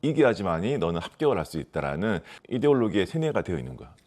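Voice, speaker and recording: Low male voice, regional Korean dialect, lively intonation; author explaining life lessons conversationally with emphatic rhetorical questions. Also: fast. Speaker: author giving life advice.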